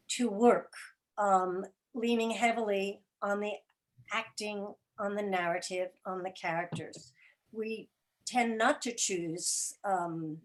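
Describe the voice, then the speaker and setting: Woman, interview guest and producer. Middle-of-the-road pitch, explanatory talk, phrases picked out carefully as she thinks. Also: poor audio.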